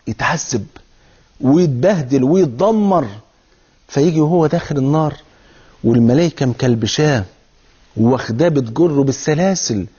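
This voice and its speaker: A man's voice: high-pitched, darkish tone, slightly rough, muffled recording. A man with an Egyptian Arabic accent delivering a televised religious sermon, speaking fervently and putting rhetorical questions straight to his viewers. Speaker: preacher.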